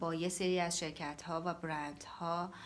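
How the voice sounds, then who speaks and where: A woman speaks at a moderate pace in a fairly low voice. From Iran. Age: 30s. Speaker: art teacher. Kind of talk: interview. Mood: calm, reflective. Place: home room. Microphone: phone near.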